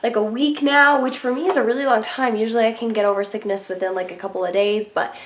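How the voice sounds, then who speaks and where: Talking fast in a fairly high, fairly even voice, a young beauty vlogger congested from a cold runs through a product review. She's chatty, leans heavily on filler words, and says plainly what she thinks.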